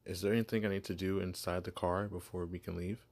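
A man's voice: low voice, little pitch movement, quick pace, a little mellow. A man voicing a shy, clueless young male vampire posing as human in an ASMR roleplay, stammering and apologizing. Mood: awed curious.

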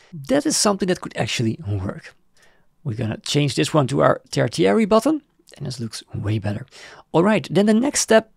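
Gravelly-voiced man walking through a tutorial. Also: medium pitch, dry recording, studio quality. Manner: casual, upbeat walkthrough with small laughs. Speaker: tutorial host. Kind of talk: screen-recorded software tutorial.

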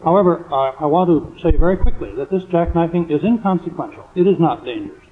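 A thin, faintly noisy 1950s radio recording with clicks carries an American man's slightly high voice. He explains things in a measured, formal way as an interview guest. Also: phone-quality sound. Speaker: military surgeon guest. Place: convention hall radio interview.

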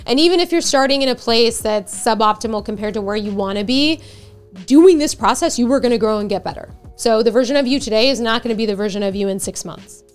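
Chatty woman coach with vocal fry. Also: fairly high pitch, fast talker, soft background music. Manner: chatty and enthusiastic, gushing asides. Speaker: video presence coach. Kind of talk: casual teaching to camera.

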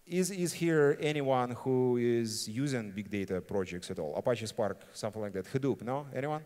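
A middle-aged man who speaks English as a second language presents at a tech conference. His voice sits at an average male pitch, and his delivery is informal and blunt, with frequent tag questions. The long reverb of a large hall surrounds him. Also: normal speed, darkish tone. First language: not English. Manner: blunt, informal, often tagging sentences with "right?". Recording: reverberant hall sound system.

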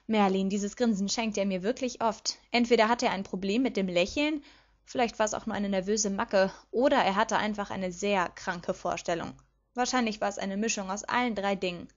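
A woman reading a fan fiction audiobook aloud as lively first-person storytelling. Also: medium pitch, moderate pace. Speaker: audiobook reader. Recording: slightly dull lo-fi recording.

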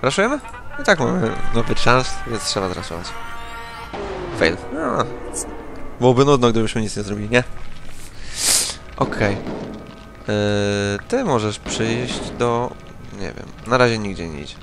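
A man's voice: on the low side, very animated, a little slow, gravelly, long pauses, over music. A young man with a Polish accent giving sarcastic, profane let's-play commentary as he plays a game. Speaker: gaming YouTuber.

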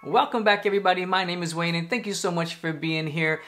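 A man in his thirties hosting a gaming tutorial vlog, talking to the camera from a room at home in a friendly, energetic way. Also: sits high, fast. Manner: friendly, energetic, addresses viewers directly. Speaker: gaming tech YouTuber host. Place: home room with a TV and a lamp, indoors. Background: faint background music.

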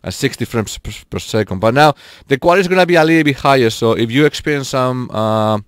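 A man's voice: mid-range voice, fast, clear, resonant tone, no echo, studio quality. A man live streaming a racing game, chatting casually with his viewers and laughing often. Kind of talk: casual live-stream chat while gaming.

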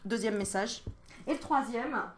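A chatty woman, a medium, giving a casual oracle card reading straight to the viewer, laughing often and reading the card messages aloud slowly. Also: on the high side, a little hiss or hum.

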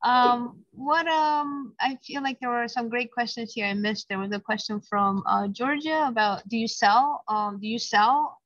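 A woman's voice: a little high, fairly even intonation, a little slow, hardly any pauses, a bit bright, dry recording, lo-fi sound. A woman host reading out audience questions, with a hesitant manner and fillers. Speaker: library host, interviewer.

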